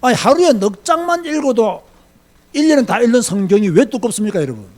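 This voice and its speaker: A man's voice: very high voice, lively intonation, a little fast, a little mellow. A man pastor giving an emphatic sermon-style Bible lecture, firing rhetorical questions and repeating key points.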